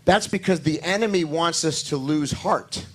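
A man preaching a sermon to his congregation with a hoarse voice, building emphasis through repetition and calling for amens. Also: fairly high pitch, normal speed, fairly bright tone. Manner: talks to the congregation directly, asking for amens. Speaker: pastor.

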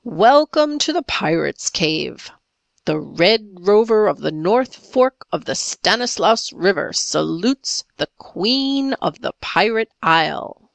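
A woman reader acts out a grandiose pirate chief in a storybook. The delivery is slow and solemn, with sweeping intonation. Each phrase is declaimed with lofty courtesy, in a close, dry sound. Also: mid-range voice, very animated, gravelly, dry recording, exaggerated voice. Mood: grand welcome. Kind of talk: storybook character voice.

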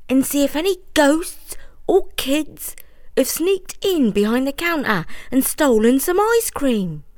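A woman voicing a regular cafe customer giving advice in a hushed, confiding way. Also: sits high, dry recording, studio quality, voice pushed up.

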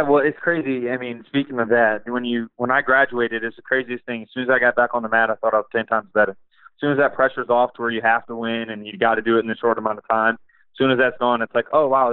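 A young man, an assistant wrestling coach, talking in a relaxed, rambling way with many fillers, in a podcast interview over a phone line. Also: medium pitch, fast, clear, resonant tone, no echo. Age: young adult.

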